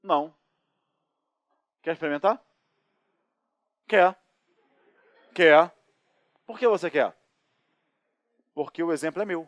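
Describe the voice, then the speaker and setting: A man with a Brazilian accent lecturing on criminal law, lively and joking, acting out anecdotes and asking rhetorical questions in a recorded course. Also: on the high side, slow, pauses often, no echo, clean studio sound. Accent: Brazilian Portuguese.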